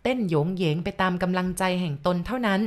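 A woman narrating a first-person ghost story in a steady, measured way. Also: lowish voice. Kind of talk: story reading.

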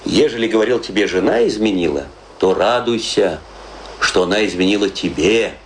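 A noisy old radio drama recording of a chatty, ironic man musing over death. His low voice swings widely and theatrically, turning rhetorical questions into dark, wry monologue. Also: lively intonation, normal speed. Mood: mocking, gossipy. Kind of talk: theatrical radio play monologue, conversational Russian storytelling.

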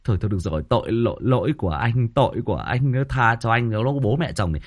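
A man's voice: lively intonation, quick pace, lightly acted. A man voicing a meek husband and in-laws, pleading and apologising to soothe her. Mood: placating. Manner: placating, low and soothing.

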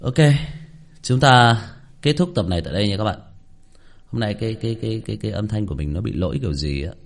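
Man, horror storyteller, low voice, lively pitch, faint music. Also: quick pace, creaky. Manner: dramatic, animated reading.

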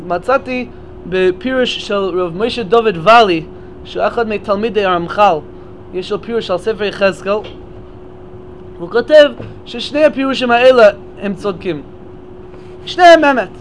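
A man's voice: sits high, long pauses, a little hiss or hum. A man giving a Torah lecture at a memorial gathering, explaining step by step and often restarting his words.

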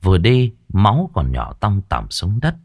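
A man narrating a ghost story in a lively, dramatic way. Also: sits low, measured pace, no echo, studio quality.

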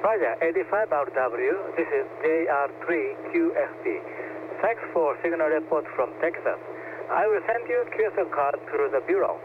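A man with a Japanese accent speaks in slow, formal radio phrasing, his voice squeezed through a narrow shortwave radio band. Steady static hisses under every word, and his voice sits a little higher than most men's. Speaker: radio host demonstrating a ham radio call. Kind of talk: scripted ham radio exchange in English.

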